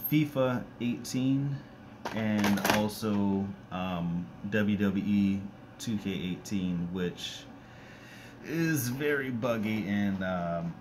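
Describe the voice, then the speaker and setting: A man with a very deep, low voice talks casually to his live-stream viewers. A scratchy throat from a cold leaves him raspy and monotone, and he speaks haltingly, filling gaps with ums and restarting his sentences. A faint hiss sits behind the voice. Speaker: YouTuber doing a live stream. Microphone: close to the screen and device.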